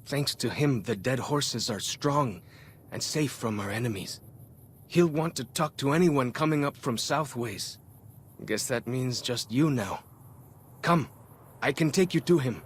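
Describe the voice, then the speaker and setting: A man's voice: medium pitch, expressive, unhurried, slight background noise, natural voice. A man playing a friendly young tribal scout guide in a video game, easygoing and folksy with clipped phrasing. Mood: helpful, proud. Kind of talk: video game character dialogue.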